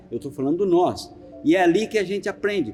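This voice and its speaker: A man talks in a high pitch with lively intonation. Music plays in the background. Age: 70s. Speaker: longtime church member. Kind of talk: testimony.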